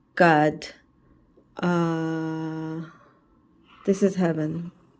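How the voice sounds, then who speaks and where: This woman has a non-native accent and a fairly low pitch. Her intonation is monotone and flat. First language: not English. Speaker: spiritual teacher. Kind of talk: explanatory talk. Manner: hesitant, many fillers.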